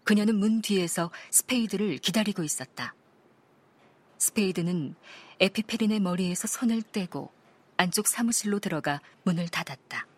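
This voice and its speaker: Husky-voiced woman reading an audiobook. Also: medium pitch, moderate pace. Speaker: audiobook narrator. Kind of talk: scripted audiobook narration.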